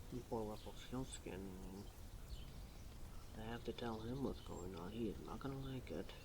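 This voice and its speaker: A woman's voice: extremely low pitch, noisy background. A woman playing a chatty, indignant keeper of forgotten lore in an ad-libbed audio roleplay, rambling and often talking to herself. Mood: quiet muttering. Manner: rambling, talks to self, animated, sighing.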